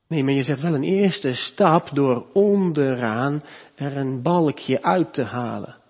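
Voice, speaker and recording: Emphatic Dutch pastor in a church. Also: male voice, medium pitch, slightly rough, big-room sound, highs cut off. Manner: emphatic, rising and louder on key points. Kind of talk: sermon.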